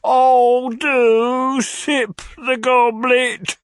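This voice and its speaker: A man voicing an eccentric, lovesick old gentleman in a storybook reading, drawing out his flowery words in a swooping, theatrical way. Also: very high voice, level tone, slight background noise, voice pushed up, heavily acted. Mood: theatrically adoring. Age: over 60. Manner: drawn-out, swooping, flowery declamation.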